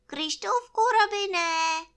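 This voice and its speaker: A woman reading a storybook, voicing a naive, cheerful little honey-loving teddy bear in a high, sing-song, earnestly silly way. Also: expressive, sharp tone, exaggerated voice.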